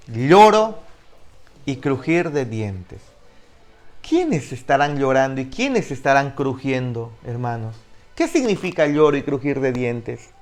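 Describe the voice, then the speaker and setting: A man teaching an online discipleship class, emphatic and putting questions to his students. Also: on the high side. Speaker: Bible teacher.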